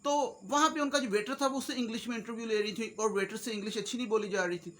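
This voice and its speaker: A man with a very high, bright, forceful voice and a Punjabi accent talks casually to his viewers. He rambles in a joking way, slipping between Urdu, Punjabi and English. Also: steady tone, racing. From Pakistan. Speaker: YouTuber host. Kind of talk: casual comic-motivational monologue.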